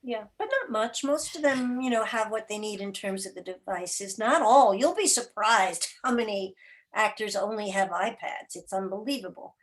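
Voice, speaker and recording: A woman with an average-pitched voice speaks as a producer being interviewed. She answers informally, as a guest would at an online gathering over a video call. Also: normal speed, poor audio. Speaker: radio drama and podcast producer, guest.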